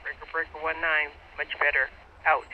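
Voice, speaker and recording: A man replies to a radio check in a high voice with a gravelly edge. The delivery is short and clipped, as radio replies are. Faint noise runs behind him. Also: flat delivery, moderate pace, dull audio. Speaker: walkie-talkie user replying.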